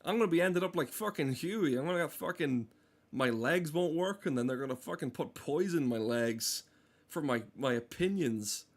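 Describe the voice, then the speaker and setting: Guy streaming a game, kinda high voice, rambly mock serious rants, swears a lot. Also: animated, moderate pace. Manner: foul-mouthed, mock-earnest ranting. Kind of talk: casual rambling livestream commentary.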